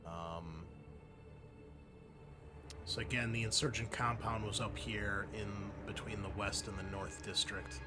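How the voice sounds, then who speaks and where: A man's voice: fairly low pitch, steady tone, a little slow, pauses often, over music. A man working as game master, casually narrating and explaining a tabletop game in an informal way.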